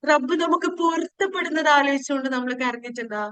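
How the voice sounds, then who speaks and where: A woman leading a guided spiritual meditation and prayer in a pleading, devotional way with drawn-out phrases. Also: high-pitched, fairly bright tone, no room sound.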